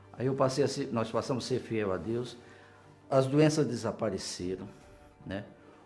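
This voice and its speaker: Over music in the background, a man talks at a moderate pace with ordinary pitch variation and long, frequent pauses. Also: medium pitch for a man. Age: 60s. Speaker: businessman giving church testimony. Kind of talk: testimony. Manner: halting.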